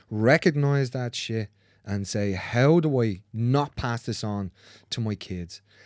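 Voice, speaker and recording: Speaking at a very slow pace with an Irish accent, a man with a medium-pitched voice and ordinary pitch variation is heard in a dry, close sound with no echo on a very clean recording with a silent background. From Ireland. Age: 40s. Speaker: physical therapist and aid worker. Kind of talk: casual chat. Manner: animated.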